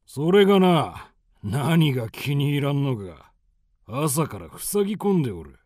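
A man's voice: medium pitch, big pitch swings, a little slow, a little mellow, dry recording, clean studio sound. An actor playing a grasping, menacing middle-aged stepfather and tribal chief in a radio drama. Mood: sly. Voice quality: husky, gravelly.

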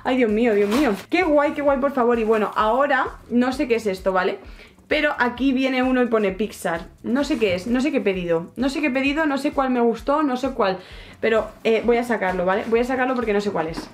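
A young woman excitedly chatting through an unboxing, gushing and repeating herself as she squeals with delight. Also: a little high, a little fast. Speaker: book and collectibles vlogger. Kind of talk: excited casual unboxing chat.

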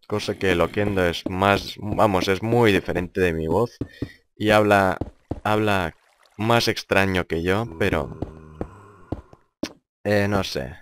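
A young man with a low, grave voice talks over his own gameplay. His delivery is serious and unscripted, wandering along and circling back over the same phrases. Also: a little hiss or hum. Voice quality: deep, grave voice. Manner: serious, rambling, repeats himself. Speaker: gaming video creator. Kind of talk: improvised casual gameplay commentary.

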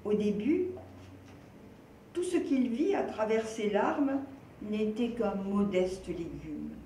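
An older woman, a volunteer reader, reading a children's picture book aloud in a slow, gentle, expressive way. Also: medium pitch, slight background noise. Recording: roomy echo, distant mic.

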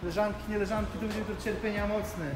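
A man's voice: high-pitched, flat delivery, quick pace. A man in his thirties from Poland, chatting casually and jokily to camera as a vlog host on a handheld phone. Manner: jokey, informal. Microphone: phone at arm's length. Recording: handheld phone with music underneath. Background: music.

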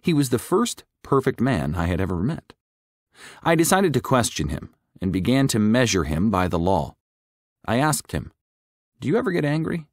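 A man narrating a religious audiobook in a measured, clearly enunciated scripted reading. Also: medium pitch, sing-song, no echo, studio quality.

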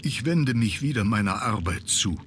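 A man's voice: fairly low pitch, lively intonation, moderate pace, noisy background, lightly acted. A man playing a reserved, weary butler in an adventure game, formal, deferential and resigned. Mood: apologetic, guarded. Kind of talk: scripted adventure game dialogue.

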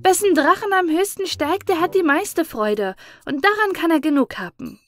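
A woman voicing sensible schoolboys in a storybook, composed and admonishing with gentle mockery. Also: very high-pitched, animated, moderate pace, soft background music, voice pushed up. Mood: calm teasing. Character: calm, sensible group of schoolboys, gently mocking.

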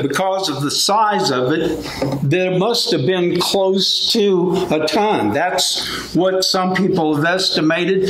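Slow, high-voiced preacher. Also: male voice, fairly bright tone, slight background noise. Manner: gestures widely and paces behind the pulpit. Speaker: pastor. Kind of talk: sermon. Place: church sanctuary with congregation. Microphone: lectern microphone. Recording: roomy church sound with faint ambience.

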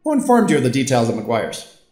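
An actor playing a measured, suspicious and hesitant corporate boss in an audio drama. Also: male voice, mid-range voice, wildly swooping pitch, warm tone. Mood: probing. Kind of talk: first-person narration and dramatic dialogue. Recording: roomy echo with music behind.

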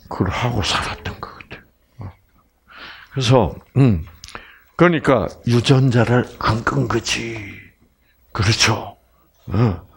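A man's voice: medium pitch, vocal fry, breathy edge. An older man from Korea giving a chatty health lecture, weaving in personal stories and frequent asides to his audience.

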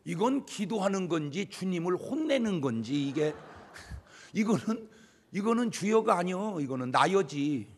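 A male pastor preaching a sermon in a church sanctuary, animated and acting out prayers as he goes. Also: high voice, a little slow, a little hiss or hum. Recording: long church hall reverb.

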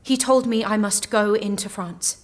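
A woman's voice: mid-range voice, normal speed, natural voice. A woman playing a devout, steadfast young peasant visionary in an audio drama, earnest, serene and sure of herself. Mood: serene conviction.

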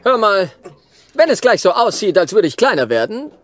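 An actor playing a battered, crazy robot scrounger in a children's audio play, cheeky, excitable and chattering. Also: male voice, sits high, normal speed, slight background noise. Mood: frantic, cheeky. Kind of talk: film dub acting in children's audio play.

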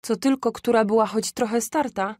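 A woman narrating an audiobook of a classic story in a measured, expressive way. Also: on the high side, no room sound, clean studio sound.

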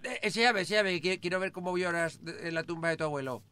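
A man from hosting a Minecraft roleplay, stammering, panicky, whining and shouting. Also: high voice, fast talker, clear, resonant tone. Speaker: roleplay host.

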